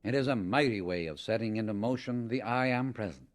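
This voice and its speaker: A man reading a scripted spiritual teaching as an audiobook, in a solemn, deliberate and emphatic manner. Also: fairly low pitch. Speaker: audiobook reader.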